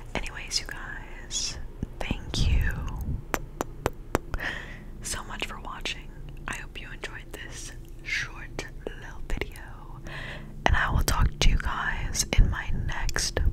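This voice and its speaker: Whispering and soft-spoken, a woman talks at a very slow pace with long, frequent pauses amid loud background noise. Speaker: ASMR creator. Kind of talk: ASMR soft chat with repeated trigger words. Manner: soft close-mic whispered outro. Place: home room. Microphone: studio mic.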